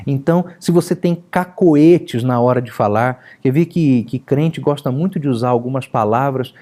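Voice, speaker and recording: A man from São Paulo state, Brazil, with a countryside São Paulo accent, teaching a lesson on preaching as a pastor in a lively, emphatic way. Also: normal speed. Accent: São Paulo countryside Brazilian Portuguese. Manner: lively and emphatic, with sudden pitch jumps. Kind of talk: recorded lesson.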